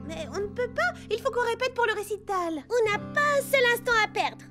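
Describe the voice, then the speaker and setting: A woman voicing a friendly little girl in a children's cartoon, speaking in an expressive, earnest way. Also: extremely high pitch, brisk. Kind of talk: French cartoon dub acting. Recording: music behind the voice.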